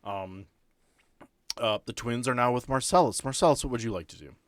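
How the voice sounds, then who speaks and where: A man acting as game master, narrating and explaining a tabletop game in a deliberate, explanatory way. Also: mid-range voice, no room sound, clean studio sound.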